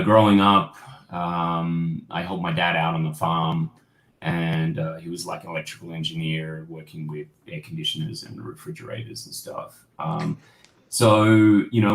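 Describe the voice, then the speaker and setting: A man, a guest photojournalist talking over a video call, reflective and rambling with many fillers. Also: low voice. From Australia. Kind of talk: casual interview storytelling. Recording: roomy home-office echo.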